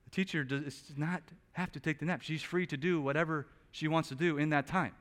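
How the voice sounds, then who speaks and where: A man preaching a sermon, asking rhetorical questions and swinging between quiet, low stretches and loud, emphatic bursts. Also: fairly even intonation, brisk. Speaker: pastor. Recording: long reverb of a large hall.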